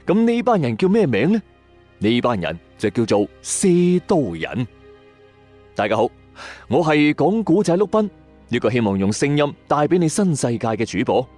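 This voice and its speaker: A man's voice: fairly high pitch, very animated, moderate pace, darkish tone. A man with a Hong Kong Cantonese accent narrating a scripted story in a dramatic, conversational and suspenseful storyteller's manner. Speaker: storytelling podcast host. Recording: music under the voice. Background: background music.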